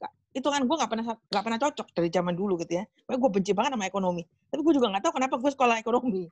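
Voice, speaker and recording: A woman's voice: a little high, animated, rapid-fire, dry recording. A woman preaching a casual sermon, chatty and acting out little dialogues. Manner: chatty, acts out dialogues with God. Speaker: preacher at a small group meeting.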